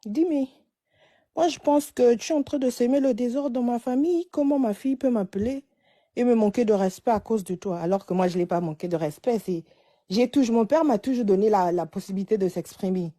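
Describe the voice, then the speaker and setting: A caller in her late twenties seeks advice in a slightly high, dark-toned voice, speaking briskly. Even so, her story is hesitant and full of restarts.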